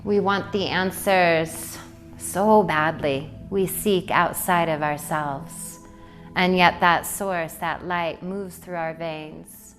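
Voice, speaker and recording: A woman leading a guided meditation in a poetic, soothing way, with deliberate phrasing and long pauses. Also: fairly low pitch, a bit bright. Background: music.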